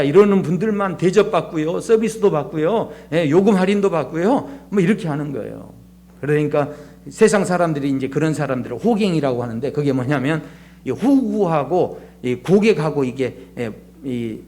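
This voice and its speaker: A male pastor preaches in a church sanctuary, talking to the congregation in a chatty, questioning way. His voice sits a little higher than most men's, and he slips into playful voices for everyday people. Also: a little mellow. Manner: conversational, asks the congregation rhetorical questions; acts out everyday speakers with changed voices. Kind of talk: sermon.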